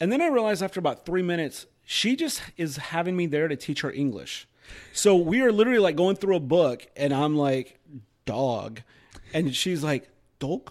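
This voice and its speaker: A high-pitched man with an American accent, lively intonation and a moderate pace, in a very clean recording with a silent background. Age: 40s. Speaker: podcast guest, friend of host. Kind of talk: casual chat. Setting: home recording.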